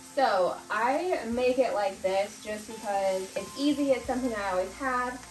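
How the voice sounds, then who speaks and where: A woman speaks at a fairly slow pace with ordinary pitch variation, audible room echo and clear music in the background. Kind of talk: casual cooking tutorial. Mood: cheerful, relaxed. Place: kitchen.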